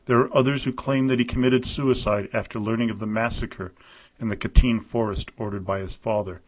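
A man's voice: on the low side, poor audio. A man narrating a history podcast from a script, reading out quotes from letters and memoirs with a slightly raised voice.

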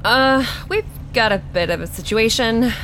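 A woman's voice: on the high side, moderate pace, a bit bright. A woman acting in an audio drama as an exasperated, protective young woman who also narrates in the first person. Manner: exasperated, sighing. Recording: engine and outdoor ambience noise.

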